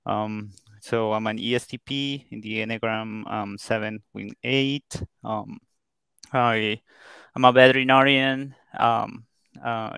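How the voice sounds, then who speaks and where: Hesitant Colombian-born man, gravelly low voice. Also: sharp tone, no room sound. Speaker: guest. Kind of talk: casual group video call.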